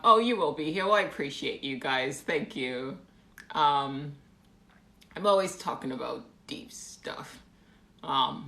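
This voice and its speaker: A woman's voice: low-pitched, a bit bright. A young woman chatting casually on a livestream in an amateur, put-on British accent, with a wry, self-deprecating manner. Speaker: live streamer. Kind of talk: casual livestream chat, reading out comments. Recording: roomy indoor echo.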